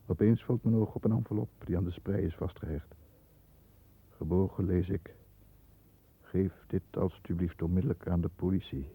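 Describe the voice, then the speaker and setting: Deep, gravelly, tense lawyer. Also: male voice, heavily acted. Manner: dramatic, deliberate, halting under strain. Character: London lawyer, tense, calculating, guilt-ridden brother narrating. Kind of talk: 1960s Dutch radio drama monologue, present-tense narration. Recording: dull lo-fi 1960s radio recording.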